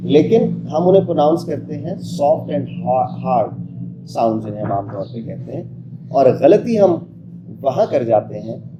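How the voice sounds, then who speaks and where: A man teaching pronunciation in an interactive lesson, emphatically sounding out letters and quizzing his listener with short questions. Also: mid-range voice. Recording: echoey room with steady background noise.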